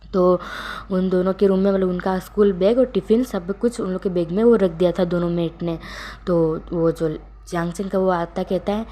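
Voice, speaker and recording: A woman's voice: on the low side, steady tone, moderate pace, warm tone. A woman telling a fan story casually, rambling with many fillers and self-corrections.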